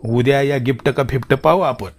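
A man voicing an affectionate middle-aged village mother who speaks softly and coaxingly. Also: mid-range voice, brisk, lightly acted. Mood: tender. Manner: soft, coaxing. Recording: loud hiss with crickets.

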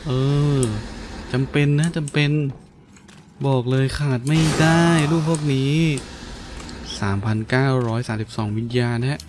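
With a medium-pitched voice at a measured pace, a gaming host offers casual commentary on his play. He's crude and playful, using slang and plenty of exclamations, while game music and background noise run underneath.

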